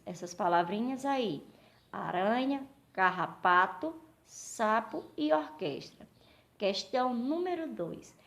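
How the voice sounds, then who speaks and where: Brazilian woman teaching little kids, slow and patient, bit of vocal fry. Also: mid-range voice. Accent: Brazilian Portuguese. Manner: slow, patient, asks questions and answers them. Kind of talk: recorded school lesson for children.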